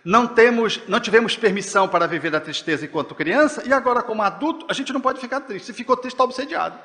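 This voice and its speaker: A man with a Brazilian Portuguese accent giving a spiritist talk in a lecture hall, expressive and acting out parents speaking to children. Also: very high-pitched, fast talker. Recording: long hall reverb.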